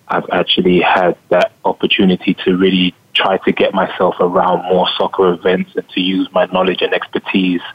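Deep flat-voiced London man. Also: highs cut off. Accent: London English. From England. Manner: measured, frequent "um" pauses. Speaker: guest, retired pro soccer player. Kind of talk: interview answers.

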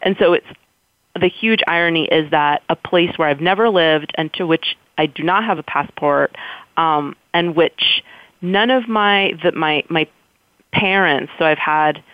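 A woman's voice: sits low, a little slow, no echo. An American woman, an author guest, answering interview questions in a thoughtful, searching way with many restarts. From United States. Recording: dry tinny phone line.

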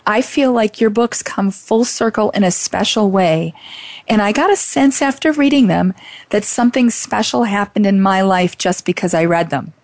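A woman's voice: mid-range voice, expressive, darkish tone, no echo. Earnest woman host, dry close sound. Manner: earnest, effusive, halting. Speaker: interviewer, show host. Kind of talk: casual interview.

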